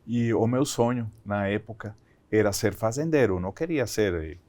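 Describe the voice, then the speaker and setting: A man's voice: fairly low pitch, moderate pace, darkish tone. A man from Colombia, a Spanish speaker, talking conversationally as an interview guest and often restarting his phrases. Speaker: company CEO, interview guest.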